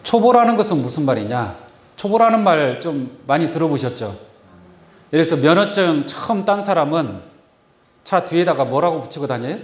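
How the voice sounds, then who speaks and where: A man's voice: fairly high pitch, very animated, moderate pace. A man preaching a sermon as pastor, often asking the congregation questions. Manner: asks the congregation many questions. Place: church sanctuary. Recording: echoey church room. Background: congregation saying amen.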